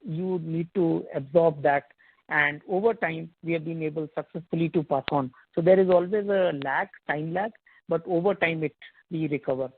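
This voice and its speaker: Husky Indian man on a tinny phone line. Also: on the high side, no room sound. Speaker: company executive answering investor questions. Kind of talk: business conference call answers. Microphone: phone conference call.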